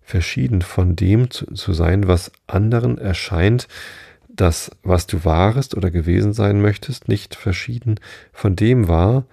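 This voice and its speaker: A self-satisfied duchess who turns every remark into a moral, read by a man in a deep voice. She comes across as gravelly and dark-toned. The delivery is preachy and storybook-like. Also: a little slow, no echo, clean studio sound, exaggerated voice. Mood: smug. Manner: preachy, spins out tangled morals. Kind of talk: storybook reading.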